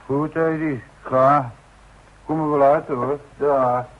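A man's voice: a little high, fairly even intonation, slow. An actor in a Dutch radio play playing a cocky, slyly familiar man with a breezy, teasing, dismissive manner. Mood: needling, curt. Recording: tinny, noisy old radio recording.

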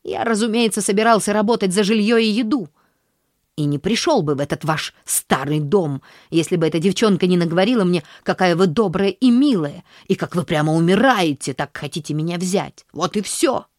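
A woman's voice: fairly low pitch, animated, a little fast, a little mellow, no echo, close to an everyday voice. Storybook street boy, proud and blunt, dry close reading by a woman. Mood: defiant. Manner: defiant, blunt, sulky.

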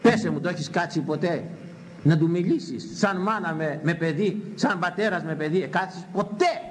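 An older man, a priest, giving a sermon on scripture, emphatic and repeating phrases for effect. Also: high-pitched.

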